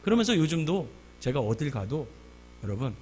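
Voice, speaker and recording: A male pastor preaching a sermon, telling a personal story with sudden loud bursts and quiet asides. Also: fairly high pitch, sing-song, moderate pace, a little hiss or hum.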